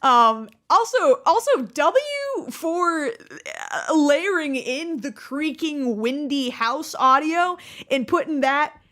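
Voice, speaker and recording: Twenties woman, high voice, chatty YouTuber, lots of restarts and laughs. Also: animated, slow, fairly bright tone. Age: 20s. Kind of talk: casual commentary over her old gameplay video.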